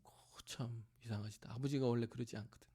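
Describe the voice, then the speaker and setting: A middle-aged pastor with a slightly rough, mid-range voice speaks at a quick pace in a church sanctuary. His sermon is a personal family story, complete with lively bursts of acted-out relatives' voices and near-whispers at tender moments.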